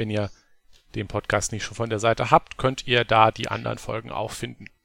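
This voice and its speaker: The recording is very clean with a silent background. A man with a medium pitch speaks in fairly even intonation, with vocal fry. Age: 20s. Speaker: podcast co-host. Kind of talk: casual chat.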